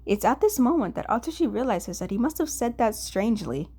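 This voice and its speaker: A woman's voice: on the high side, big pitch swings, brisk, dark tone, slightly rough. Woman narrating fan fiction expressively.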